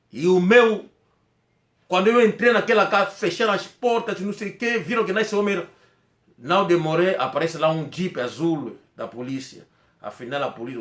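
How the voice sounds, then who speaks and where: Angolan man whose first language is Kikongo, slightly high voice, halting vlog storytelling, echoey room. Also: a bit bright. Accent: Angolan Portuguese. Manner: rambling, halting, with frequent restarts. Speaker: vlogger. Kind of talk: personal storytelling to camera.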